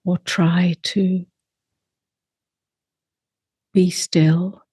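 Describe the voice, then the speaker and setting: A woman leading a guided meditation as a teacher, speaking softly in short unhurried phrases with long pauses, her voice gentle and breathy. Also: fairly low pitch, flat delivery, dry recording, studio quality.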